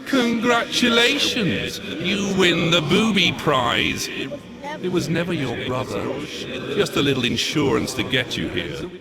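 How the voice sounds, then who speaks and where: A man playing a mocking, pompous ancient demon in a video game, theatrical and taunting, with a gravelly voice. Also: high-pitched, lively intonation, measured pace. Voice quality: gravelly, creaky. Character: gloating, mocking ancient demon mastermind, male. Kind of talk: video game villain acting. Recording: loud music over the voice.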